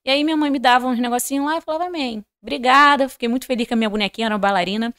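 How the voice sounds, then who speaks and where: Animated woman telling her testimony. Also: on the high side, very fast, clean tone. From Rio de Janeiro, Brazil. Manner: animated storyteller who acts out quoted dialogue and addresses listeners directly. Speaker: podcast guest. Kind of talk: personal faith testimony in conversation.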